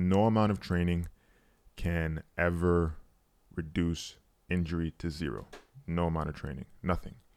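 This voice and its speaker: In a very clean recording with a silent background, a man speaks in a relaxed tone with a very deep, low voice and fairly even intonation. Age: 20s. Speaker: solo sports podcast host, athlete. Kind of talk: casual solo talk, educational. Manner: relaxed, conversational.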